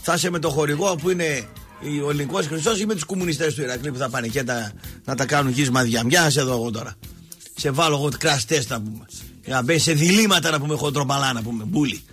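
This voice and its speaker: A man hosting a sports talk show, ranting sarcastically and mocking people, going from loud outbursts to low muttering. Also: faint music behind. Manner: sarcastic, mocking, switches between shouting and muttering. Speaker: radio sports talk host. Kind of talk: ranting monologue.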